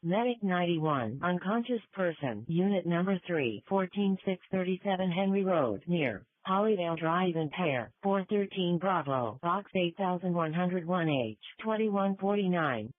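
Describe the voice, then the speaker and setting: Lower-pitched woman reading radio dispatch. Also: lively intonation, moderate pace, hardly any pauses. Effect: two-way radio. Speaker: medical dispatcher. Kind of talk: formal dispatch call-out, listing codes and address. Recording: narrow, telephone-like radio channel.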